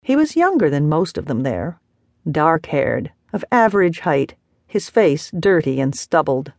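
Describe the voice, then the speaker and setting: A woman narrating a novel as an audiobook, measured and expressive. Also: low voice, no echo. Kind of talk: scripted narration.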